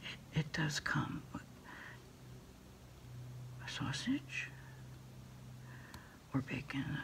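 A middle-aged woman doing a hushed ASMR roleplay, unhurriedly taking orders into a phone handset. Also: deep voice, very animated, drawn-out words, creaky. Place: small indoor desk space.

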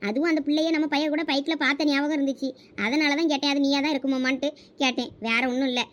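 A woman with a Thoothukudi Tamil accent playing a middle-aged village mother who is suspicious and quick to defend herself. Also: sits high, fairly even intonation, fairly bright tone. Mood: insistent. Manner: pleading, justifying herself. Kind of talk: village comedy skit acting.

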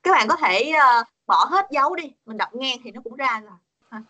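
Bright-voiced woman teaching pronunciation. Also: sits high, expressive, moderate pace, muffled recording. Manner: patient, coaxing, repeats words for students. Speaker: Korean language teacher. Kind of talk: online pronunciation lesson.

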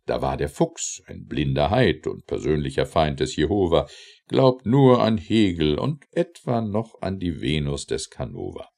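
A man narrating an audiobook of verse in an expressive, theatrical and declamatory reading style. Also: extremely low pitch, a little slow, gravelly.

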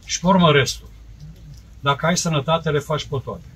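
A man's voice: fairly high pitch, fairly bright tone, husky, rough recording. A man in his seventies giving a plain-spoken, determined speech at an outdoor clinic opening. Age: 70s. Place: outdoor tent at a ceremony.

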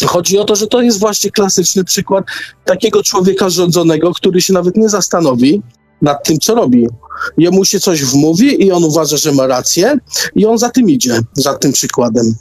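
Man, slightly high voice, casual discussion, repeats himself searching for words, faint music behind. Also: lively intonation, moderate pace, darkish tone. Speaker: participant in a radio discussion.

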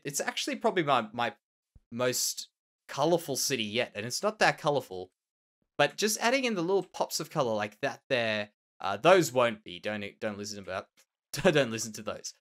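In a mid-range, fairly bright voice, an Australian man hosting a Minecraft let's play muses about his own building. He sounds nasal and slightly tender, repeating words through his casual gameplay commentary.

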